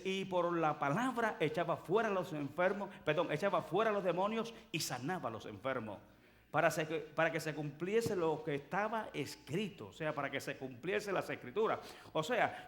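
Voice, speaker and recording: Male pastor, fairly high voice, emphatic preacher who builds volume at key points, church sanctuary. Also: expressive, normal speed. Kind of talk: sermon.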